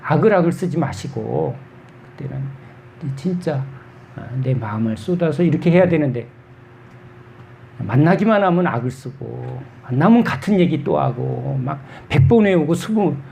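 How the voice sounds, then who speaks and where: A man's voice: fairly high pitch, expressive, normal speed, gravelly, warm tone, a little hiss or hum. A middle-aged male pastor preaching a sermon in a conversational way, often putting questions to his congregation.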